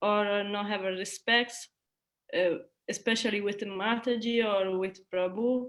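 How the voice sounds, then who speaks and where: This woman speaks at a fairly slow pace in an Italian accent. Her pitch is fairly high and her intonation fairly even. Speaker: audience member asking a question. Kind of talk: question from audience. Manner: halting.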